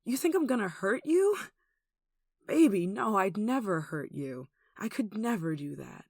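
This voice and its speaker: A woman's voice: medium pitch, sing-song, measured pace, darkish tone, dry recording, studio quality. A woman playing a tall, possessive, lovesick kidnapper in an intimate ASMR roleplay, cooing and coaxing with sweet menace, sighs and giggles. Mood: sweet, menacing.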